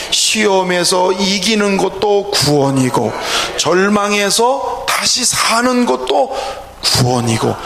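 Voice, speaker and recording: A man preaches in a high, gravelly voice, pressing his points with rhetorical questions and calls of hallelujah. The sound is echoey, as if from a church hall, with a faint hum of room noise behind him. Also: fairly bright tone. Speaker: pastor. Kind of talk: evening worship sermon. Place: church sanctuary.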